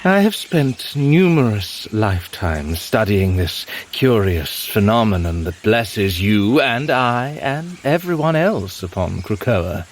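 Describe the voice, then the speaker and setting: An actor playing a sly, grandiose, century-old mutant villain in an audio drama, with pompous, silky, drawn-out persuasion. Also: male voice, medium pitch, a little hiss or hum.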